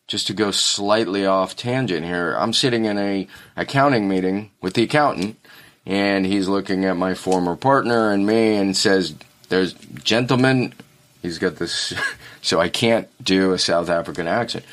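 A man's voice: low voice, moderate pace, a bit bright. A man in casual conversation, telling a rambling story and restarting his sentences often. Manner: rambling, self-correcting storyteller.

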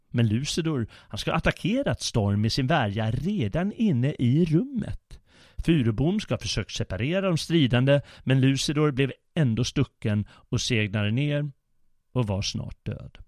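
A man hosts a history podcast, telling the tale in a measured, deliberate voice and slipping into recitations of old verse. His pitch sits in an ordinary middle range. The recording is dry and close, with no room around it. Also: animated, a little mellow, no echo. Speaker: podcast host and guide. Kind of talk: storytelling narration with poetry recitation.

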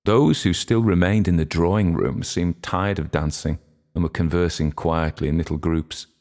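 A man reading a literary short story aloud in a measured, steady way. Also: low-pitched. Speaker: audiobook narrator. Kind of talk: literary narration.

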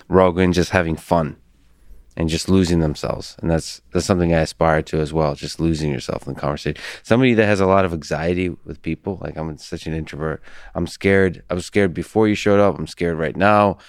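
A man with Russian as his first language, hosting a podcast in a soft-spoken, halting way with many restarts. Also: low-pitched, dry recording, clean studio sound. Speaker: podcast host. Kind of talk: casual conversation.

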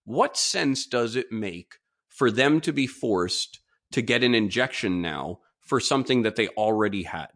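A man's voice: lowish voice, animated, a little slow, fairly bright tone. A man with a slightly stuffy, congested nose, hosting a solo opinion podcast in an informal, opinionated, emphatic way. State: mild nasal congestion from a cold-like illness. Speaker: podcast host.

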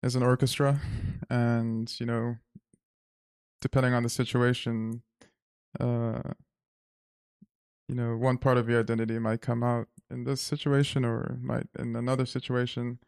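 A man from Zimbabwe talks slowly through his thoughts, often stopping with fillers to find the next word. His voice is gravelly and stays level. The sound is dry and close. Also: mid-range voice, level tone, a little mellow, no room sound. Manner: thoughtful, searching for words with many fillers. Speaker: guest. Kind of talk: reflective conversation.

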